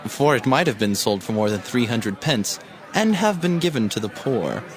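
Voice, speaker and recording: Casting: man to play an indignant male objector for scripture drama, animated, over faint crowd murmur. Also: mid-range voice, normal speed, close to an everyday voice. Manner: indignant, reproachful. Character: indignant, scolding male onlooker. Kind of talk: dramatized Bible audio acting.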